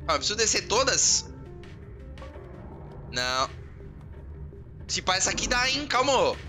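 A man with a Brazilian Portuguese accent giving excitable let's play commentary, swearing often and talking to himself and his viewers. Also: high voice, unhurried. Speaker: gamer. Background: loud game music.

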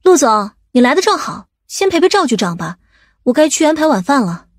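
A woman's voice: high-pitched, big pitch swings, fairly quick, no room sound, studio quality. An actress playing a composed, businesslike woman in an audiobook. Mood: brisk, polite.

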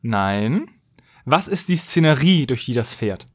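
A man's voice: medium pitch, big pitch swings, measured pace, breathy edge, no echo, clean studio sound. A man hosting a casual podcast quiz among friends, asking the questions as quizmaster.

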